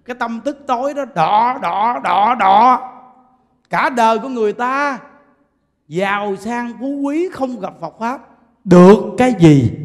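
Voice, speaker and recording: High-voiced man preaching in a reverberant hall. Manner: animated, laughing storyteller. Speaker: Buddhist preacher. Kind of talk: sermon.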